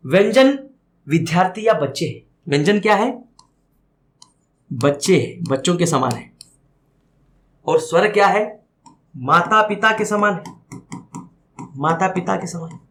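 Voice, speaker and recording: A man's voice: on the high side, expressive, moderate pace, pauses often, fairly bright tone. A man teaching Hindi grammar in a lesson, asking questions and answering them himself, repeating key words and drawing out vowel sounds to show how they are said. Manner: stretches out vowels when demonstrating sounds. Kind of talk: classroom-style grammar lesson.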